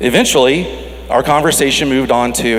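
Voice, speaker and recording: With noticeable background noise and audible room echo, a man speaks at a moderate pace and a medium pitch. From Mississippi, US South. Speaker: friend giving eulogy. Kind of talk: eulogy speech.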